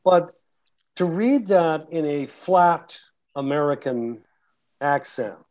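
Man, fairly high voice, narrator, thoughtful, halting, lo-fi muffled sound. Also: lively intonation, darkish tone. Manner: thoughtful, stops and restarts often. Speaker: audiobook narrator. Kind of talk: panel Q&A answers. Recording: muffled lo-fi recording.

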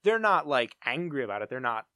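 A man's voice: medium pitch, big pitch swings, brisk, bright, forceful tone, dry recording, studio quality. A man co-hosting a podcast, chatting casually and rambling in a playful way. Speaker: podcast co-host. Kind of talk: casual, rambling pop culture chat.

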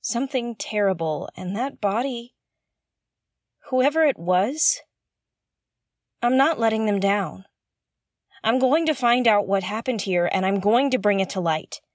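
A woman's voice: medium pitch, lively intonation, a little slow, pauses often, dry recording, studio quality, close to an everyday voice. Hesitant, earnest young spaceship explorer played by a woman. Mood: anxious, earnest. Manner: hesitant, self-correcting, chatty and earnest. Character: nervous, curious, earnest young woman investigating a derelict spaceship. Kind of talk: audio drama, confessional log to listeners.

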